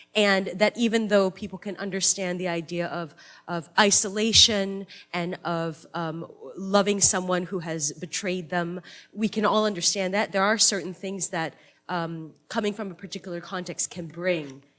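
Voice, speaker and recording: A speaker with an American accent talks at a moderate pace with fairly even intonation. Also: woman, medium pitch for a woman. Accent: American, switching to Singaporean. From Singapore. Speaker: theatre director. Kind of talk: panel discussion.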